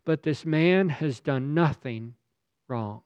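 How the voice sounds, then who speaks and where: A male preacher delivers a sermon in a slow, deliberate way, with a slightly high voice for a man. His delivery is dramatic and emphatic, and he presses his points with rhetorical questions. The recording sounds dull and lo-fi, with a dry, close sound. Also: clear, resonant tone, dry recording.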